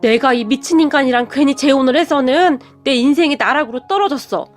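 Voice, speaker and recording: Woman reading as a begging middle-aged mother, high voice, slow pleading words, storybook reading. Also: soft background music, close to an everyday voice. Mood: self-pitying.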